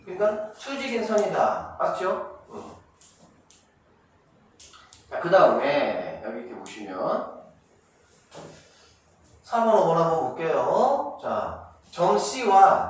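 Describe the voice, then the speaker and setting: Middle-aged guy doing a math lesson, keeps quizzing the kids then answering himself, lively up-and-down voice, mic far off. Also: fairly high pitch, slow pace, pauses often. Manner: asks students questions and answers them himself, counts steps aloud. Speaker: math academy director teaching middle school. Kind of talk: classroom math lecture. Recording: echoey room, distant mic, faint noise.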